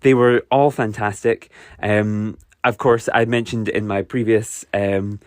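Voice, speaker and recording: A man's voice: fairly low pitch, level tone, unhurried, darkish tone, dry recording, clean studio sound. A man with a Scottish accent hosting a podcast, chatting enthusiastically and rambling a little, with lots of fillers and restarts. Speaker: podcast host. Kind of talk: casual solo podcast recap.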